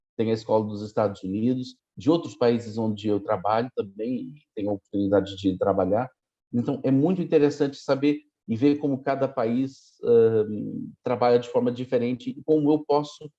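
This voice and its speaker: The voice has a dark, mellow tone and ordinary pitch variation, with a dry, close sound and no echo. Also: man. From Portugal, Cascais. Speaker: singer and sports commentator. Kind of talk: interview. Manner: halting, many fillers and repetitions.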